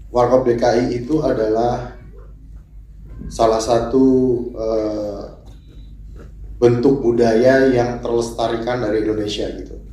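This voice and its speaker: A man answering a press question deliberately, with hesitant fillers, in an echoey hall. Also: medium pitch, warm tone. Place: press conference room. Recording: echoey hall, faint ambience.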